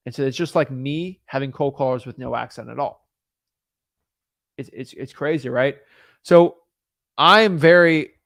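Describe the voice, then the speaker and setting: Chatty man coaching, fairly high voice. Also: a bit bright, dry recording, clean studio sound. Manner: rambling, repetitive, frequent fillers and restarts. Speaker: real estate wholesaling coach. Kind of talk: casual talking-head advice.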